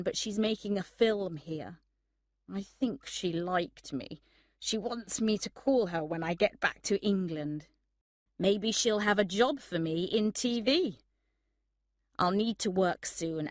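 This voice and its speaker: A woman's voice: fairly low pitch, a little slow, no room sound, studio quality, natural voice. A woman reading a tipsy young man's letter. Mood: rambling. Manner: rambling, tipsy, earnest. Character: drunk young man writing a letter abroad.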